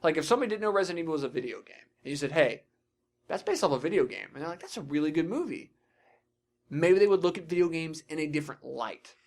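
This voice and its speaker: A young man with a slightly raised voice hosts a casual podcast discussion. He rattles along at a quick clip. His delivery is opinionated, informal and full of profanity. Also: fairly high pitch, expressive. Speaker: podcast host.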